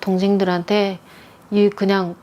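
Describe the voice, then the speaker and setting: Gentle quiet middle-aged woman from north korea, calm storytelling, mid-pitched. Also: measured pace. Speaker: guest. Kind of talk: soft-spoken personal storytelling.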